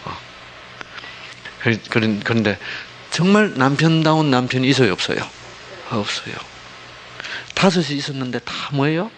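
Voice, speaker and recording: A man preaching a sermon, asking the congregation constant rhetorical questions and dropping from loud emphasis to hushed asides. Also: medium pitch, animated, moderate pace, pauses often, slight background noise. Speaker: pastor.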